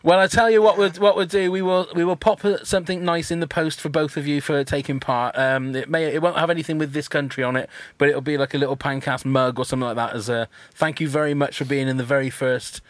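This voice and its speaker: Man, podcast quizmaster, jokey, chatty, slightly high voice. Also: fairly even intonation, fast, hardly any pauses, no echo. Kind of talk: casual podcast quiz hosting.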